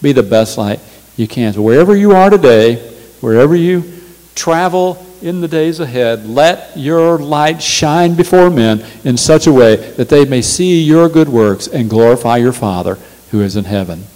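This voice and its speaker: A man's voice: mid-range voice, expressive, normal speed, a little mellow, long reverb tail, poor audio. A male pastor preaching a sermon in a church, emphatic and repeating his key phrases. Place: church sanctuary.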